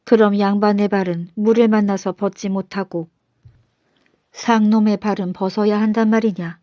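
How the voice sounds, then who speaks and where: A woman voicing a humble old male minister in a storybook folktale, calm and plain-spoken, stern when he scolds. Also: mid-range voice, normal speed, dry recording, clean studio sound, natural voice.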